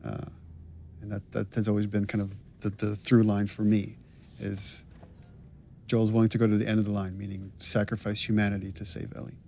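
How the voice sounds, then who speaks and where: A man giving thoughtful developer commentary, pausing and restarting as he explains his choices. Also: on the low side, monotone, dark tone, slight background noise. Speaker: game director giving commentary.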